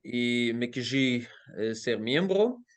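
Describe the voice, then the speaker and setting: Slow, hesitant man. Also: medium pitch, lively intonation. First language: Dutch. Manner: hesitant, searching for words, many fillers and restarts. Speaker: guest, language teacher. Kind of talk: casual interview conversation. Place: home in Amsterdam.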